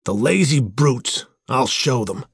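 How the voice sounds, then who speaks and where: A man's voice: medium pitch, lively intonation, slow, gravelly, slightly rough, no echo, clean studio sound, voice pushed up, full character voice. A man voicing an arrogant, hot-tempered young man in a storybook, curt and scornful. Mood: angry, scornful.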